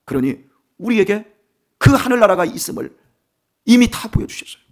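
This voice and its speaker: A male pastor giving an early-morning sermon in a conversational way, asking the congregation questions and moving between quiet asides and emphatic declarations. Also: high-pitched, expressive, moderate pace. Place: church sanctuary.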